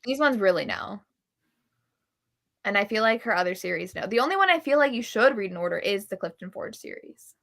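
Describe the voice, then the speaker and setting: A woman with a bright, slightly crackly voice hosts a casual book livestream. She talks candidly and gives firm opinions in a conversational way. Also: mid-range voice, animated, a little fast, vocal fry. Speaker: book reviewer and livestream host. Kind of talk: casual chat about books on a live show.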